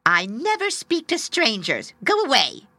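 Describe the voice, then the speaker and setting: Proud, unkind storybook trees, as a woman reader puts them on, speaking loudly and with scorn. The voice sounds rather distant and it swings widely in pitch. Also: huge pitch swings, measured pace, dry recording, heavily acted. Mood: scornful. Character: haughty unkind trees refusing a bird.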